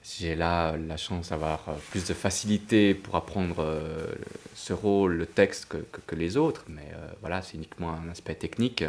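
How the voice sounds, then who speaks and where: A man with a Swiss French accent from the canton of Vaud talks about his stage role. He speaks slowly, with pauses. His voice is very low. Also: vocal fry. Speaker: amateur actor. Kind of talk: interview answers.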